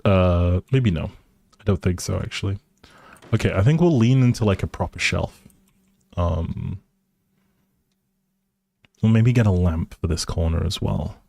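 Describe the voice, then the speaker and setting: A man's voice: low voice, unhurried, gravelly, long pauses, warm tone, husky, dry recording. A man livestreaming a game with casual, playful, teasing chat to his viewers.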